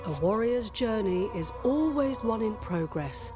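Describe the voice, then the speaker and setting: A woman playing a composed, proud and stern warrior mentor in a video game, speaking in a measured, solemn way. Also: on the high side, lively intonation. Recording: music behind the voice.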